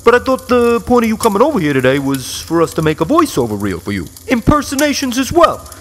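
A man's voice: high-pitched, wildly swooping pitch, fast talker. A man doing playful comedic banter and impressions. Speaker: comedy co-host.

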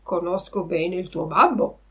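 A woman voicing a sly, lame male fox who coaxes smoothly in a storybook reading. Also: lowish voice, unhurried, bright, forceful tone.

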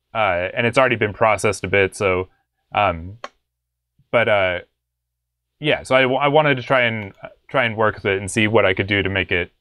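A man's voice: medium pitch, bright, forceful tone, no room sound. Dry-sounding young man, casual tutorial host. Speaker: music production tutorial host. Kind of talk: casual screen-share tutorial. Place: small home studio room.

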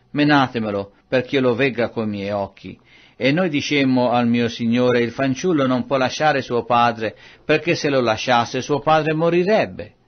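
A man reading scripture aloud in a measured, solemn way. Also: mid-range voice, dull audio. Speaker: Bible reader.

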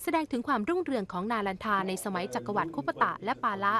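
A woman news reporter reading a scripted royal news report in a formal, measured way. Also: mid-range voice, very animated, crowd noise.

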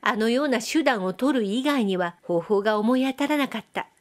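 Brief: coy young girl with a soft nasal lilt, pitched high, as a woman reader puts her on. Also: animated, a little fast, close to an everyday voice. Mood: teasing, lively. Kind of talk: audiobook reading.

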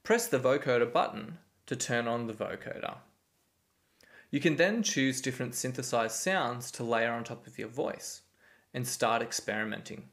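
A man's voice: medium pitch, normal speed, fairly bright tone. A man giving scripted, step-by-step instructional narration as a tutorial instructor.

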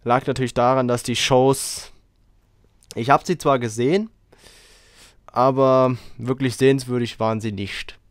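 A man hosting a casual podcast while he has a cold, talking in a rambling, relaxed way with lots of fillers. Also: medium pitch, measured pace, long pauses, no echo, studio quality. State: has a cold, hoarse throat. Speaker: podcast host.

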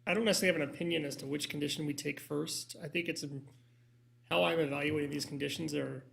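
A man's voice: fairly high pitch, steady tone, fast, creaky, fairly bright tone. A man speaking as a planning commissioner, giving analytical, deliberative remarks in careful wording. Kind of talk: deliberative public meeting remarks. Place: public meeting room.

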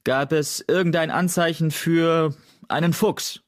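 A man's voice: fairly high pitch, steady tone, a little slow, voice pushed up, natural voice. A man voicing a stern male cat who leads his clan and gives orders in an audiobook. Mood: commanding. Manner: commanding, growled.

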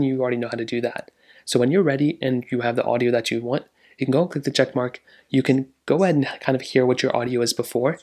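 A man's voice: mid-range voice, darkish tone. A man hosting a casual tech how-to voiceover, rambling along with repetitive phrasing. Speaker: tech tutorial host.

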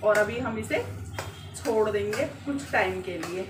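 A woman's voice: medium pitch, a little slow, reverberant, music in the background. A woman chatting casually to her viewers while she cooks at home, talking through each step with many fillers. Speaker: vlogger. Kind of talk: casual cooking vlog narration. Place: home kitchen and rooftop.

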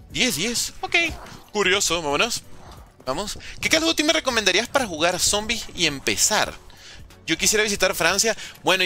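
A young male gaming streamer with a rather high, sharp-toned voice chats casually and jokes while playing live. He reads out viewer questions as faint music plays in the background.

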